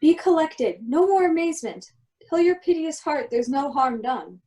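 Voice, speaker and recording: Lady playing exiled magician duke, high pitched, solemn measured shakespeare verse, protective parent, radio play. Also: expressive, mellow. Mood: soothing, solemn.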